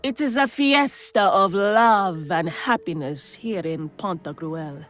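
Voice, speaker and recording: A woman's voice: medium pitch, expressive, slow, a bit bright, soft background music. A woman voicing a worldly, sardonic, protective brothel madam in a video game, with a theatrical, coaxing manner. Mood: welcoming. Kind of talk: scripted game dialogue.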